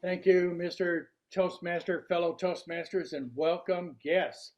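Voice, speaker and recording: An older man giving a prepared club workshop talk in a deliberate, showman-like way, posing rhetorical questions. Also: sits high, fairly even intonation. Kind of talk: prepared public speech to a club audience. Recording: dull, lo-fi sound.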